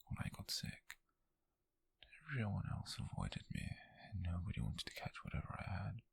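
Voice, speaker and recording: Breathy, gravelly British man playing an obsessive captor. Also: low-pitched, no echo, heavily acted. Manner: slow, coaxing, hushed, intimate with pauses. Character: obsessive, possessive male coworker turned tender captor. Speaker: ASMR roleplay performer. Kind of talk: whispered ASMR roleplay monologue.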